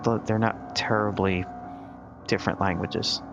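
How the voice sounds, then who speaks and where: A man's voice: deep voice, level tone, measured pace, vocal fry, music in the background. A man narrating a tabletop horror game as game master, casual and hedging, laughing easily.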